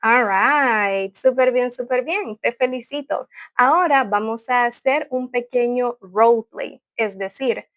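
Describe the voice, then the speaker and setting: Woman teacher, talks real slow n clear for repeat-after-me, dry room sound. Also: a little high, a bit bright, no room sound. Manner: reads English lines slowly and clearly, then translates. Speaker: English teacher. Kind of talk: bilingual language lesson.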